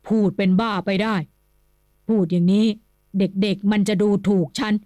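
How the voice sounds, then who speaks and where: A gruff old nobleman snapping out irritable rebukes, as a woman puts him on while reading the story aloud. He speaks loud and forceful, somewhat lower than her narrating voice. The recording is dry and close. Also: steady tone, normal speed, no room sound, lightly acted. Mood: indignant. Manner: gruff scolding outbursts. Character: irritable older nobleman, Chao Khun Prasit.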